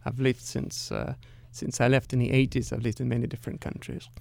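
Speaking with a Russian accent, this middle-aged executive responds to an interviewer in a careful, explanatory, measured manner. The voice is medium in pitch, level in tone, gravelly and somewhat dark, on a dry recording.

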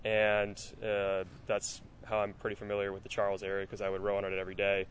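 A man's voice: fairly low pitch, quick pace, slight background noise. A young man who rows in college and is from Massachusetts, telling his story in an interview. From Massachusetts, USA. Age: young adult. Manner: steady storytelling with fillers. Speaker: college rower. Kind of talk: interview answers.

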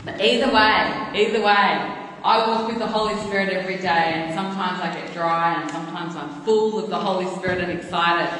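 A woman's voice: lowish voice, brisk, fairly bright tone. A woman in her thirties giving an earnest, storytelling sermon in a church, often restarting her sentences. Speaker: preacher. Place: church hall. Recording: echoey church hall, faint noise.

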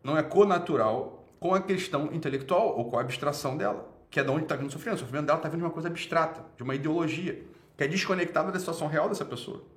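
A man with a Brazilian accent on a live stream who swears constantly, laughs loudly and mocks his viewers. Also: a little high, rapid-fire, roomy sound. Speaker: livestreamer. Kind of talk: profane rant and lecture on a live stream.

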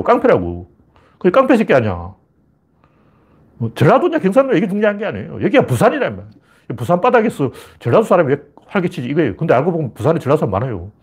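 Heated husky man ranting fast. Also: high voice, a little mellow. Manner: heated, emphatic, acts out taunting questions. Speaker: political commentator. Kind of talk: political monologue.

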